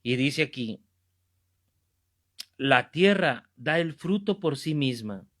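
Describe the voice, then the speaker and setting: A Catholic preacher, teaching a Bible class in a fervent, emphatic way and repeating key phrases. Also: male voice, medium pitch, animated, slow pace, fairly bright tone. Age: 50s.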